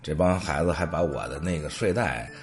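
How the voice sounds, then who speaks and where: A man's voice: very deep voice, expressive, fairly quick. A middle-aged man, hosting and telling humorous anecdotes in a storytelling monologue.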